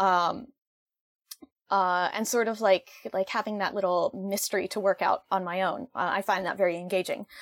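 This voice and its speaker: Delivered with an American accent and fairly even intonation, an unremarkable speaking voice comes through in a dry, close sound with no echo. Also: woman, medium pitch for a woman, moderate pace. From US Northeast (Western Massachusetts). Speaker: fantasy author. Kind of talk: interview. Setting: video call.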